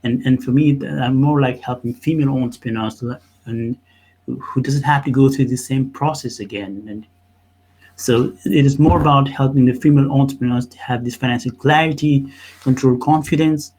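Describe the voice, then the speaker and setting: Man from Nepal, halting storyteller. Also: medium pitch, steady tone, a little mellow, rough recording. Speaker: accountant and business owner, interview guest. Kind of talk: conversational interview, personal storytelling.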